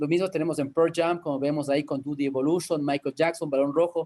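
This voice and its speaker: In a dark, mellow tone, the voice moves at a fairly quick pace with fairly even intonation. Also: man. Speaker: conference speaker on futures and innovation. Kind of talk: conference talk. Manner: fast.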